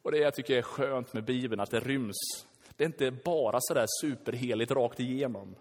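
A man preaching a sermon, lively and casual, acting out prayers and switching between loud and hushed. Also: mid-range voice. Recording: long hall reverb.

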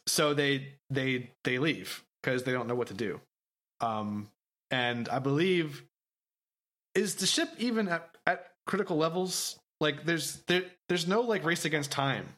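A man co-hosting a podcast in loose, casual chat. He agrees readily and talks in hesitant, halting bits. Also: fairly high pitch, lively intonation, a bit bright. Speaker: podcast co-host.

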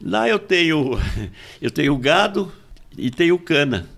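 A man's voice: a little high, lively intonation, slow, creaky, a bit bright. A Brazilian man in his nineties, a retired agronomist being interviewed, who repeats himself and tags his sentences with questions. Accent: Brazilian Portuguese. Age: 90s. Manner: tag questions, frequent repetitions and restarts. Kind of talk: casual chat.

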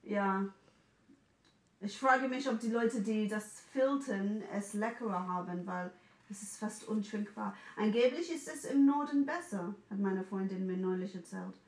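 A woman's voice: mid-range voice, unhurried, distant mic. English woman chatting in German, echoey room. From England. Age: 40s. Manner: animated, mixes in English words, acts out quoted voices. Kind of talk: casual chat. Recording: echoey room, a bit off mic.

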